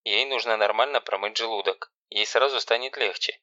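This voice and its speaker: A man voicing a stern, sarcastic older sister who gives loud, harsh commands. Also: fairly low pitch, moderate pace, no room sound. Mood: harsh commanding. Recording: dull lo-fi recording.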